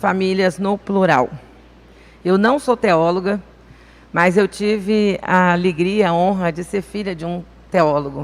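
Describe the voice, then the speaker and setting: Her intonation fairly even, a woman speaks fairly slowly at a medium pitch. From Brazil, Espírito Santo (Vitória). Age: 60s. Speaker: psychologist, guest speaker at church. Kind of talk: church talk / reflective lecture.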